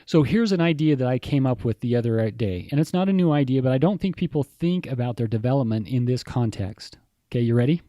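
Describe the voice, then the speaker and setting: A man talks as an interview guest, warming to his point with animated, enthusiastic storytelling. His voice is mellow and relaxed in tone, and the sound is dry and close, with no room around it. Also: mid-range voice, fast talker, dry recording. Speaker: HR executive guest. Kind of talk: interview conversation.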